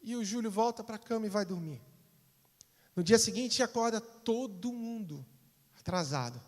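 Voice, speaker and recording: High-voiced Brazilian pastor telling a story. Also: male voice, animated, moderate pace. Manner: dramatic storytelling with acted voices. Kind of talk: sermon storytelling. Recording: long reverb of a church hall.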